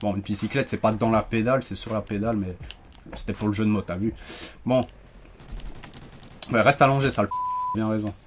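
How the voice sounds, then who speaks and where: A man giving joking, animated commentary while playing a shooter, ranting when things go wrong. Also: lowish voice, a little hiss or hum. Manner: animated, joking, quick to rant when frustrated. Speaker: gaming YouTuber. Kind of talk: live gameplay commentary.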